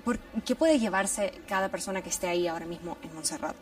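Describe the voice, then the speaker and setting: A woman's voice: medium pitch, animated, fast, distant mic. A woman co-hosting a talk show, prompting the guest with friendly questions. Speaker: co-host. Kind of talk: television talk show discussion.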